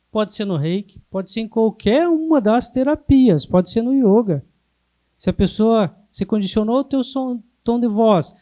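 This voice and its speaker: A man teaching a hypnotherapy class in a calm, explanatory way. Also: sits high. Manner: calm, explanatory, sometimes acts out clients. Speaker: hypnotherapy instructor.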